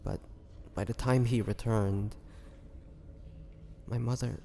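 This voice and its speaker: A man playing a weary, bitter young half-vampire prisoner in a dramatic audio roleplay, speaking haltingly and sorrowfully. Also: mid-range voice, steady tone, gravelly, mellow. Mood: somber, grieving. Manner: slow, halting, sorrowful delivery with sighs and pauses. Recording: long hall reverb, faint noise.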